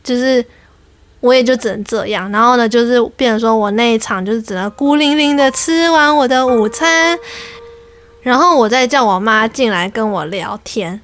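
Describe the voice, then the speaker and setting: A young adult woman hosting a podcast, telling a story in an animated, exasperated way and quoting people as she goes. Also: fairly high pitch, moderate pace. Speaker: podcast host. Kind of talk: casual storytelling.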